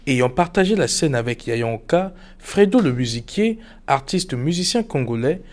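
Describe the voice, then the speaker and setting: A man narrating a radio report in a formal, measured reporting style. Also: mid-range voice, expressive. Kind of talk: scripted narration. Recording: narration over music bed.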